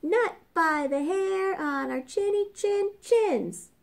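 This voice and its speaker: A woman's voice: extremely high pitch, lively intonation, slow, creaky, pitched above the performer's own voice, exaggerated voice. A woman voicing small, squealing male piglets who refuse and tease in a sing-song way. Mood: defiant squeal.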